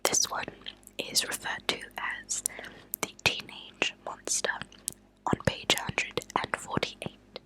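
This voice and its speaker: In a lo-fi, close whispered recording, a woman hosts ASMR readings of true crime stories. Her voice is breathy and unvoiced, and she reads slowly and gently.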